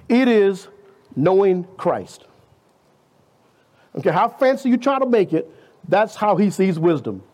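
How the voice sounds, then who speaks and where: A man's voice: high-pitched, a little mellow. A man in his fifties preaching a conversational sermon in a church, full of rhetorical questions and playful asides. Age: 50s. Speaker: guest preacher.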